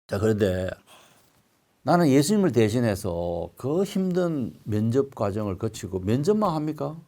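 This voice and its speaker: An older male pastor preaching a sermon, telling stories with sudden loud, emphatic swells. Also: mid-range voice, very animated, moderate pace.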